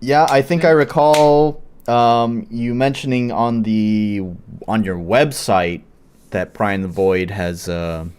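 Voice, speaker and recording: A man's voice: medium pitch, fairly even intonation, slow pace, a little mellow, a little hiss or hum. American male, mid-range voice, casual livestream host and interviewer. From United States.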